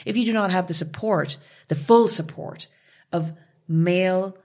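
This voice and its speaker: A Canadian woman speaks as an interview guest in a conversational exchange, her lowish, darkish voice moving a little slowly. She is passionate and emphatic, breaking into rising outbursts.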